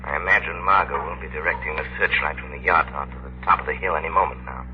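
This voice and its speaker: An actor playing a calm, commanding male crime-fighting hero in a 1930s radio drama, giving firm, measured instructions. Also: extremely low pitch. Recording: noisy, muffled 1930s radio recording.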